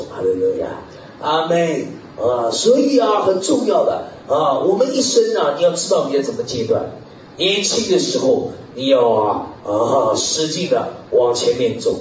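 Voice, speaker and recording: A man preaching a sermon in an animated way, peppering his talk with hallelujah and amen, chuckling often and sometimes bursting into shouts. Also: a little high, a little hiss or hum. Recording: echoey hall, distant mic, dull lo-fi.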